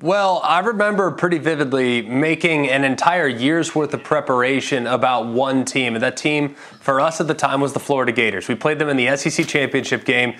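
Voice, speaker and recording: A man's voice: mid-range voice, a little fast, few pauses, a bit bright. A man analyzing football on a panel, confident and detailed, drawing on his own playing days. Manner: confident, detailed, builds points with anecdotes. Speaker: football analyst, former player. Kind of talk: sports analysis.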